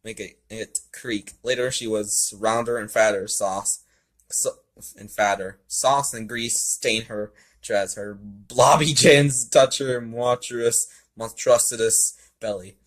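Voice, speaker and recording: A man's voice: lowish voice, fairly even intonation, takes it slowly. A man casually reading a story aloud and commenting as an amateur video host, often stumbling over and repeating his words. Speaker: amateur fan fiction reader and video host.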